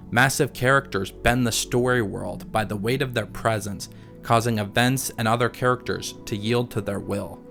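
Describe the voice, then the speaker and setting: Guy with a lowish voice doing measured video essay narration, very articulate, music underneath. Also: vocal fry, fairly bright tone. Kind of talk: scripted narration, writing analysis. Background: background music.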